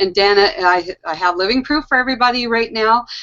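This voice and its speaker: With a Canadian accent and an unremarkable speaking voice, a woman talks at a fairly quick pace. Her pitch is fairly high and her intonation lively. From central Canada. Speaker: talk show host. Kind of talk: casual panel discussion. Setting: video call.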